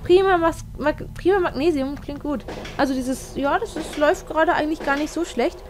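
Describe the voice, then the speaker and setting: A woman's voice: high-pitched, brisk, a little hiss or hum. A young woman doing playful game commentary, joking, singing snatches and reading game text aloud. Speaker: let's player.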